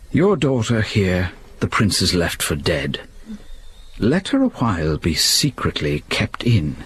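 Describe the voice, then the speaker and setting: A wise, patient friar, as a man plays him in a Shakespearean audio play. His voice is lowish and very raspy, and he speaks slowly. His lines rise and fall in a lively, soothing way. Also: full character voice. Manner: measured, soothing, lilting delivery. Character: wise, calm male friar, patient counselor. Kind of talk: Shakespearean verse acting.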